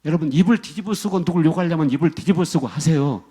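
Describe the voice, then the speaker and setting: A man's voice: a little high, fast talker, mellow, slightly rough. A middle-aged male pastor preaching a sermon to his congregation, emphatic and repetitive, often calling out to the listeners directly.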